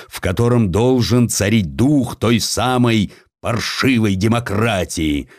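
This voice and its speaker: Man playing a commanding, rough ringleader with lively pitch. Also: no room sound, studio quality. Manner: forceful, commanding, oratorical. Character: burly domineering Russian adventurer, rough ringleader haranguing a crowd.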